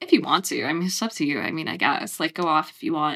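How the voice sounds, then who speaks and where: Her voice sits at a fairly low pitch for a woman, with a bright, sharp tone. She sounds animated and enthusiastic. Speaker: podcast co-host, horror game master. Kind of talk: casual chat. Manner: animated, enthusiastic.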